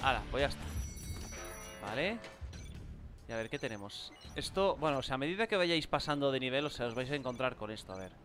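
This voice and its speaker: A man with a Spain Spanish accent giving casual gameplay commentary, rambling with fillers and bursting into loud exclamations. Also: medium pitch, expressive, fairly quick, pauses often. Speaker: gaming channel host. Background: game music.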